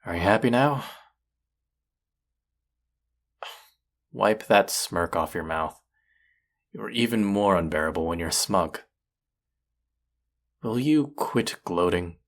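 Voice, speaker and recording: Casting: male actor as arrogant chef with a low voice, sardonic and needling, secretly fond of his rival, for intimate audio roleplay. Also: expressive, measured pace, long pauses. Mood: exasperated. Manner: teasing, sardonic, condescending. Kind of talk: intimate audio roleplay acting addressed to listener.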